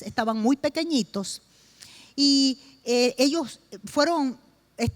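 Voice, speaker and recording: High-voiced woman preaching emphatically. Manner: emphatic, slow, repeating key phrases for stress. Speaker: pastor preaching to a congregation. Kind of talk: sermon with personal testimony.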